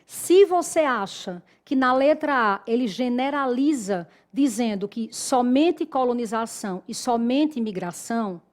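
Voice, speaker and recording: Brazilian woman teacher, higher-pitched, explanatory lecture, checks in with the class. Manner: explanatory, addresses students directly with tag questions. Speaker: Portuguese teacher. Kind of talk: online grammar lesson.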